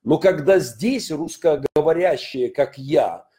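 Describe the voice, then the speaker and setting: A middle-aged man from Ukraine, a pastor giving his own opinion broadcast, pausing often on "uh" and pushing up high on stressed words. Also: expressive, warm tone, husky. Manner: frequent "э" hesitations, emphatic rises. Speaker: pastor and commentator.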